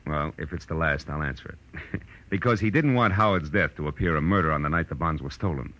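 Deep, hard-boiled radio private eye. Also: male voice, fairly quick, a bit bright, highs cut off, heavily acted. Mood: patient explaining. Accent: American. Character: hard-boiled male private detective, wry and patient. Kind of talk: 1940s radio detective drama acting. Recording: vintage 1940s radio broadcast with music.

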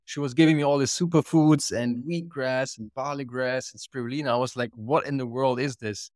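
A man with a German accent speaks as an interview guest, earnest and often restarting his sentences. His voice sits at a middling pitch. The sound is dry and close, with no room echo. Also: fairly even intonation, brisk, a little mellow. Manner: earnest, many restarts and repeated words. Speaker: guest, company co-founder and CEO. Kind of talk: casual interview chat.

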